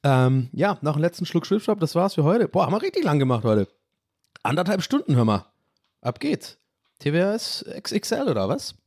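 A man's voice: on the high side, very animated, moderate pace, darkish tone, no room sound, clean studio sound. Rambling, ranting male podcast host. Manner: rambling, ranting, swearing casually. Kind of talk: casual solo podcast chat.

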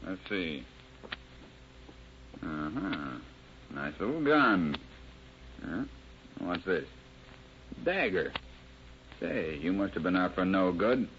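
A tough 1930s American beat cop in an old radio drama. His clipped, suspicious orders swing widely in pitch over a dull, hissy recording. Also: sing-song, takes it slowly, pauses often, exaggerated voice. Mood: commanding.

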